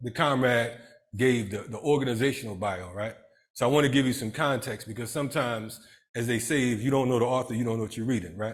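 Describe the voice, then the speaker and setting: Talking at a very fast pace with an American accent, a man of medium pitch sounds animated, with ordinary pitch variation and audible room echo. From US Northeast, Bridgeport, Connecticut. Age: 50s. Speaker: activist and movement founder. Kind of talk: keynote speech. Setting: stage with audience.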